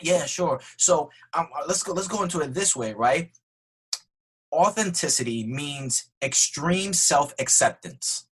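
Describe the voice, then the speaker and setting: A man being interviewed as a podcast guest, talking earnestly and growing animated when excited. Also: fairly high pitch, measured pace, breathy edge. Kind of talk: conversational interview.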